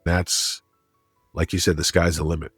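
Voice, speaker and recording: A man's voice: low voice, little pitch movement, normal speed, a bit bright, breathy edge, dry recording, soft background music. A middle-aged or older man speaking as an interview guest, conversational and anecdotal. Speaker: interview guest, critic and broadcaster.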